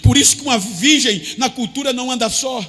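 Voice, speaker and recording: A man's voice: very high-pitched, a little fast, fairly bright tone. A man preaching a sermon as pastor, impassioned, drawing some phrases out in a chanting tone.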